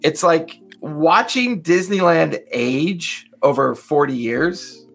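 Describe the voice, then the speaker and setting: Fifty-something guy rambling about old times, gravelly voice, a bit high, faint music behind. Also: takes it slowly, a bit bright. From Southern California. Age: 50s. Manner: rambling, reflective, many fillers. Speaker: podcast co-host. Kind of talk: casual chat.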